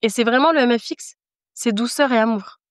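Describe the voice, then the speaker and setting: Brisk and fairly high-pitched, this podcast guest chats casually while giving a heartfelt, forceful testimony, echoing her own phrases for emphasis. Her voice is recorded dry with clean studio sound.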